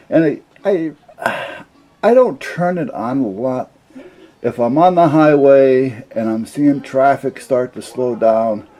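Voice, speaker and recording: An older man with a fairly low, dark voice talks casually and off the cuff about his CB radio hobby. He explains the gear in a plain-spoken, rambling, folksy way.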